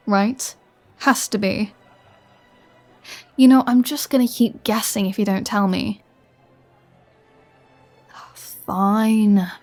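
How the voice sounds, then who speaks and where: Slow, sardonic flirty vampire woman played by an actress. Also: mid-range voice, darkish tone, lightly acted. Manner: teasing, sarcastic, conversational with sighs. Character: flirty, sardonic female vampire, playful and threatening. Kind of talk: ASMR roleplay audio drama.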